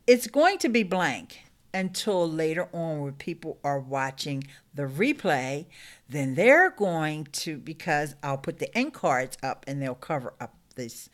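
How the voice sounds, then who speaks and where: A middle-aged woman hosting a casual live stream, chatting upbeat with her viewers and laughing often. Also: on the low side. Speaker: YouTube live stream host. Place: small room indoors.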